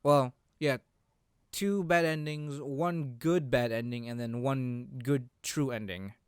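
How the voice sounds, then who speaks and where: A man hosting a casual podcast chat about games, halting as he repeats and rephrases himself. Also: mid-range voice, clean tone, no echo, clean studio sound. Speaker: podcast host.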